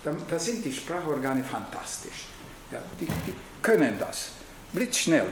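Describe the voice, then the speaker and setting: Man, Hungarian accent, halting lecture, searches for words, faint background hum. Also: fairly high pitch, big pitch swings. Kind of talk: reflective lecture to an audience. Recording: very echoey room.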